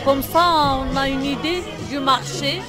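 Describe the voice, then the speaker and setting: A woman who makes pastries, interviewed at an outdoor street market, speaking calmly with simple phrasing. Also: sits high, a little slow, over music, crowd noise. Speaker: pastry maker.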